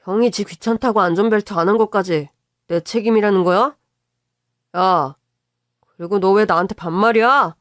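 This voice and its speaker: A woman's voice: mid-range voice, moderate pace, long pauses, no echo, clean studio sound, close to an everyday voice. Woman reading a rude, snapping brother-in-law. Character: rude hot-tempered younger brother-in-law, evasive.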